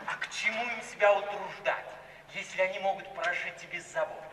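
Actor as flippant, high-voiced young idler. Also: male voice, steady tone, fairly quick, close to an everyday voice. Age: young adult. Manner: playful, mock-pompous. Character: flippant, idle, charming young clergyman's son. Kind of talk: 1950s Soviet radio play acting. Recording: echoey, distant 1950s recording, clear hiss.

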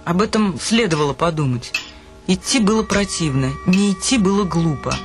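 A high-voiced man reads a story for a radio play, measured and expressive. Music plays clearly underneath his narration. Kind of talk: literary reading in a radio play.

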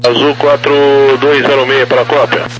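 A man with a Brazilian accent working as an air traffic controller, giving clipped procedural clearances over radio. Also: medium pitch, flat delivery, normal speed, a bit bright, muffled recording. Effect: aviation radio transmission. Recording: noisy humming aviation radio.

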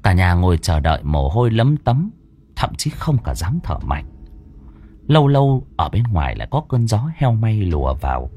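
A man narrating a ghost story in a dramatic, expressive way. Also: low voice, normal speed.

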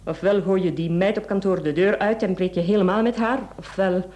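An actress with a Flemish accent playing a cold, domineering, calculating wife in a radio play, commanding and clipped. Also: female voice, medium pitch, steady tone, fairly quick, warm tone, natural voice. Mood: stern, accusing. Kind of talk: Dutch-language radio play acting.

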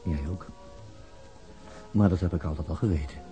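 Male actor as brooding veteran police detective, middle-aged, low voice, radio play naturalism. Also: normal speed, mellow, faint music behind, close to an everyday voice. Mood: tender, reserved. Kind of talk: naturalistic Dutch radio drama acting.

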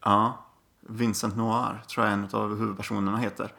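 A man's voice: on the low side, flat delivery, vocal fry, sharp tone. A young man co-hosting a podcast from a living room, making dry, laid-back remarks in casual chat. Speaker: podcast co-host.

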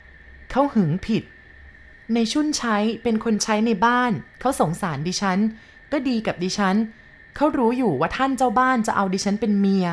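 A woman's voice: a little high, a little hiss or hum, pitched above the performer's own voice, lightly acted. A woman voicing a sorrowful captive young servant woman. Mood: bitter. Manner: soft, quiet and measured.

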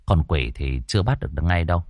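A man voicing a calm, gruff young ghost-hunter who speaks low and steady in a storybook reading. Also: no echo. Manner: low, unhurried, dry reassurance.

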